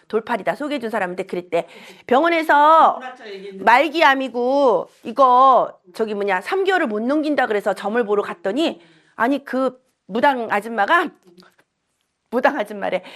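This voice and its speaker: Chatty high-voiced woman teaching. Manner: chatty, animated storytelling, acts out quoted voices. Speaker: shaman and saju teacher. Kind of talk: casual lecture with anecdotes.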